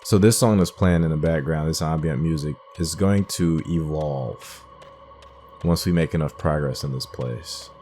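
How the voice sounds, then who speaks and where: A man's voice: very deep voice, moderate pace, mellow, a little hiss or hum. A man hosting a video game playthrough with casual, rambling, musing commentary. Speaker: gaming host. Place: game commentary with game music behind.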